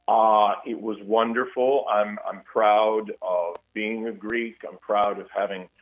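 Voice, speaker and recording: Middle-aged male guest on a tinny phone line, low voice, earnest, halting. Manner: earnest, halting with many restarts. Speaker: guest historian. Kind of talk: radio interview by phone.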